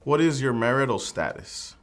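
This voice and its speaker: A man's voice: medium pitch, expressive, normal speed, fairly bright tone. Formal man asking interview questions. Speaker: mock immigration officer. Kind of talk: scripted mock interview.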